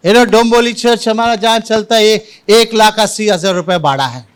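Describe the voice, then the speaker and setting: A pastor delivers an animated Sunday sermon in a high-pitched voice. He tells stories to the congregation and mixes English words into his preaching. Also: a little fast, clear, resonant tone. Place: church service.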